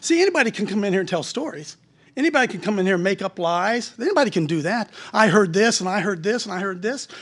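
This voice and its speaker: Loud and very fast, a man with an American accent talks at a high pitch with very wide pitch swings. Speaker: street preacher. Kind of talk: public testimony. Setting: council hearing chamber. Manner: impassioned.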